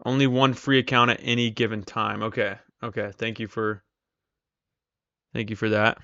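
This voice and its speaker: A man's voice: fairly low pitch, level tone, moderate pace, sharp tone, no echo, muffled recording. A man hosting a casual live stream, chatting with viewers while losing his voice. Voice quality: strained, tired voice. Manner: chatty, reads viewer comments aloud. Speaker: live-stream trader host.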